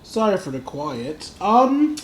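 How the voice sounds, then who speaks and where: A man's voice: high voice, sing-song, slow pace, a little hiss or hum. A man hosting a gaming video, casually commenting and reading dialogue choices aloud.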